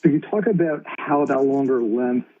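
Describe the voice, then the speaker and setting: Mellow male analyst on a muffled line. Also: mid-range voice, moderate pace. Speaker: financial analyst caller. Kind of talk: earnings call question. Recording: dull lo-fi call line.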